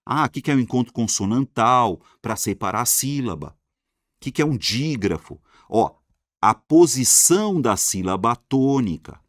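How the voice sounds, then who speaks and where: A man with a Brazilian accent giving an energetic grammar lesson, talking in slang and answering his own questions. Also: mid-range voice, normal speed, no echo, studio quality. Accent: Brazilian Portuguese. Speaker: Portuguese grammar teacher.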